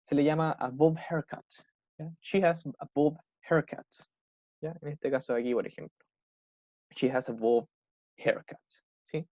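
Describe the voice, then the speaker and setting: A young adult man with a Chilean Spanish accent, teaching an English class online. He keeps checking in with his students and slows right down to model English phrases. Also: on the high side, warm tone, no echo, clean studio sound. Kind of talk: online class explaining vocabulary.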